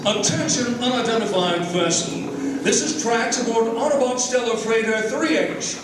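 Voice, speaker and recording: An actor playing a suave, haughty robot officer with pompous, formal, dry delivery in a live dramatic reading. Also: male voice, very high voice, moderate pace, background noise. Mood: commanding. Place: live convention stage. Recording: echoey stage, distant mic, faint crowd.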